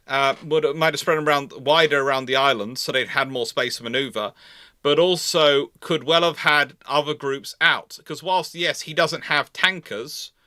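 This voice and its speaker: A man's voice: on the high side, bright, forceful tone, no room sound, studio quality. A man hosting a live question-and-answer talk on naval history, speaking emphatically and often repeating or rephrasing his points. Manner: emphatic, repeats phrases, rephrases mid-sentence. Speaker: host.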